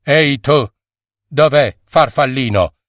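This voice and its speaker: Storybook queen, imperious and impatient, lifted haughty tone, man voicing her, slow delivery, dry sound. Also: medium pitch, fairly bright tone, no echo. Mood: coaxing.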